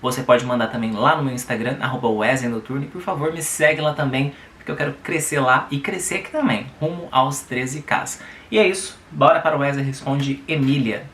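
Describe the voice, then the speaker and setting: A Brazilian man speaks with a Brazilian Portuguese accent, his voice bright and forward. He talks casually to his viewers and often adds little tag questions. The room around him echoes, and there is a faint hiss underneath. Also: medium pitch, a little fast, hardly any pauses. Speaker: YouTube host. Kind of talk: reading and commenting on a viewer's letter.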